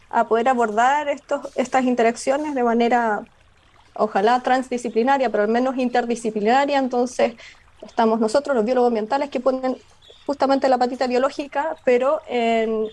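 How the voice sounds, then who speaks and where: A young Chilean woman, a biologist, answering interview questions in a thoughtful, halting way with many fillers and restarts. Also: on the high side, darkish tone. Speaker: biologist guest. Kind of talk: radio interview conversation.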